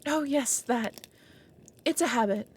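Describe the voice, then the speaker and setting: A woman's voice: a little high, slow pace, a little hiss or hum. A woman playing an ancient, proud and lonely dragon, speaking solemnly in a dramatic audio roleplay. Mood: guarded, melancholy. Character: ancient lonely female dragon, proud, brooding, reluctant foster mother.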